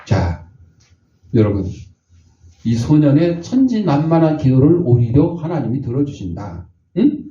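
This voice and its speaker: Older pastor preaching in an echoey church. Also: male voice, mid-range voice, very animated, measured pace, long pauses, dark tone. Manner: folksy storytelling, acts out voices. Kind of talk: sermon. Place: church sanctuary. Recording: echoey, distant, dull church recording.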